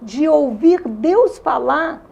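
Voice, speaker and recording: A gravelly-voiced Carioca woman in her sixties. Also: high voice, lively intonation, slow, darkish tone, muffled recording. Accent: Carioca Brazilian Portuguese. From Rio de Janeiro, Brazil. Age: 60s. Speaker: interview guest giving a testimony. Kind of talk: religious testimony in conversation.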